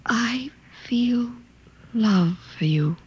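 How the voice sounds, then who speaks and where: Earnest scientist woman in old american radio sci-fi, highish husky voice, hesitant. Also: animated, drawn-out words, heavily acted. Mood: bewildered, tender. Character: earnest, repressed young woman scientist awakening to love. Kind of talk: 1950s American radio drama acting. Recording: vintage 1950s radio broadcast.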